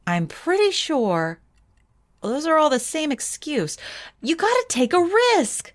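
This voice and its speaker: A woman's voice: high-pitched, sing-song, slow, exaggerated voice. A woman playing a teasing, breezy young friend. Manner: casual, teasing. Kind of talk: radio drama acting.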